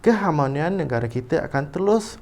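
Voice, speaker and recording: A man's voice: a little high, animated, brisk, a little mellow, voice pushed up. A man reading as a patient Malaysian mother. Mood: explaining. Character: patient mother explaining to her children.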